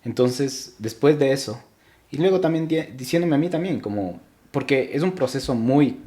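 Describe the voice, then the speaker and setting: A man's voice: mid-range voice, expressive, normal speed, warm tone. A young man from Ecuador, a podcast guest, talking reflectively in casual interview chat with frequent restarts.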